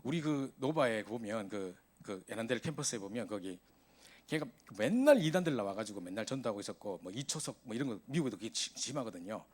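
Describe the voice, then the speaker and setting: A man preaching a sermon to a youth service, telling stories in an animated way. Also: lowish voice, fairly quick, husky. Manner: animated storytelling, voice rising in exasperation.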